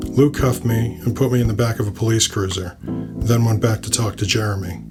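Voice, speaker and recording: A man's voice: on the low side, steady tone, a little fast, over music. A man reading scripted first-person fiction as the narrator of an audio story.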